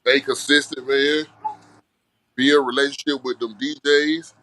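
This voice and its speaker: A man's voice: mid-range voice, level tone, unhurried, bright, forceful tone. A man from Alabama with a Southern Black American accent, chatting casually and earnestly in a folksy way as an interview guest. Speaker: music artist guest.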